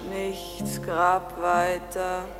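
An actress playing a cold, insistent woman who gives measured orders and goads in a crime radio play. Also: lowish voice, completely flat delivery, in a large hall, music in the background. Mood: pressing, goading. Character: cold, commanding, goading woman accomplice.

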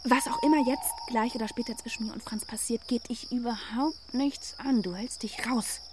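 A woman's voice: a little high, normal speed, darkish tone, slight background noise, natural voice. A woman playing a resentful activist who confronts a friend, speaking in a pointed, accusing way in radio drama dialogue. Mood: bitter.

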